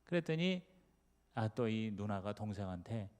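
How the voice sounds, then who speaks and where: A man's voice: lowish voice, very animated, a little slow, a little mellow. A male pastor preaching a sermon, telling stories and driving points home with rhetorical questions. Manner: storytelling, emphatic rhetorical questions. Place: church sanctuary. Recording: long reverb of a church sanctuary.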